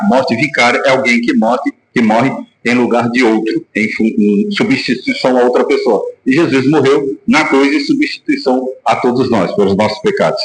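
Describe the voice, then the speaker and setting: A man from Brazil preaching a sermon as pastor, emphatic, asking rhetorical questions and breaking into sudden shouts. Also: mid-range voice, roomy sound, low-quality recording. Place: church hall.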